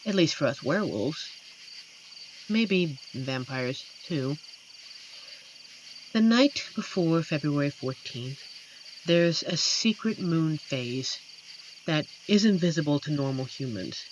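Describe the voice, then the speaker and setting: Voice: mid-range voice, animated, a little hiss or hum, low-quality recording. A performer voicing an amiable, lonely werewolf who protects a forest, speaking tenderly and earnestly in a scripted roleplay addressed to the listener. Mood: hushed storytelling. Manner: tender, earnest, playfully corny, hesitant pauses. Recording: clear insect and night ambience behind. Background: crickets and forest night ambience.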